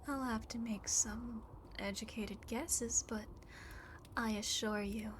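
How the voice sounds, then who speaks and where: A woman voicing a lonely, possessive female demon in an ASMR roleplay, softly, often whispering, with teasing, smug condescension, on an amateur home mic. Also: a little high. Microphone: close home microphone, not binaural. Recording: noisy amateur home microphone recording.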